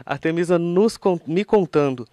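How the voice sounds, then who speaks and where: A man's voice: fairly high pitch, moderate pace, dark tone, dry recording, clean studio sound. A Brazilian man presenting and interviewing in a conversational radio style, rambling a little and asking for agreement.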